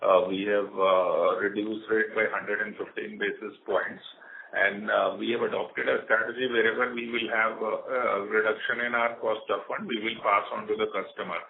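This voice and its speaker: A man, a company executive, answering analysts' questions on an earnings call in a measured way, full of "uh" fillers. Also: on the low side, level tone. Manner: measured explaining, many "uh" fillers. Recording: tinny conference-call phone line, faint noise.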